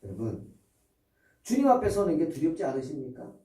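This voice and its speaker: A man's voice: on the high side, huge pitch swings, brisk, warm tone. A man preaching a sermon as pastor, fervently and with many rhetorical questions to the congregation. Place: church sanctuary. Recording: echoey church hall from far off.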